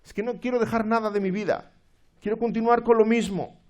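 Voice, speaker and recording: A man's voice: high voice, fairly even intonation, brisk, a little mellow, pitched above the performer's own voice, close to an everyday voice. A man voicing a desperate drowning passenger who clings to his luggage, pleading and stubborn, in a sermon illustration.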